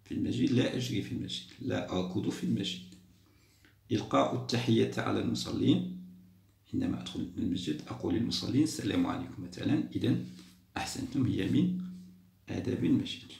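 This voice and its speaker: Low gravelly guy walking little kids through a test, patient, lots of praise, echoey room. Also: lively intonation, quick pace, darkish tone. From Algeria. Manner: patient, repeats and praises pupils. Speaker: primary school teacher. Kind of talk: explaining a school test to children.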